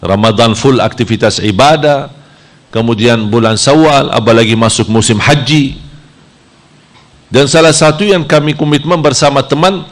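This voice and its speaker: Delivering a sermon at a moderate pace, this Saudi preacher keeps a lively style, with his voice shooting up in pitch as he dramatizes temptations.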